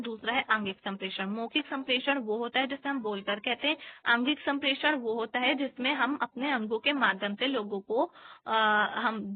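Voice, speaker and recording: A woman teaching an exam-prep lesson, explaining a textbook point by point with many fillers and restarts. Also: on the high side. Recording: tinny phone-like recording.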